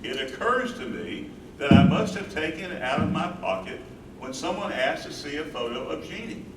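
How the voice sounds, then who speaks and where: A man's voice: a little high, animated, normal speed, a crowd in the background, lightly acted. A man playing a devoted, reflective husband who cares for his wife, in a dramatic staged reading. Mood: haunted, reflective. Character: devoted husband and carer, loving, troubled, reflective. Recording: echoey distant stage recording, clear noise.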